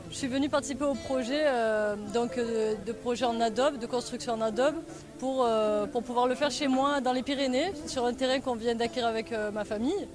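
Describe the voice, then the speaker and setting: A woman's voice: on the high side, brisk. A woman from France answering an interview, hesitant, with many fillers. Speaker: workshop participant. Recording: music playing over the voice.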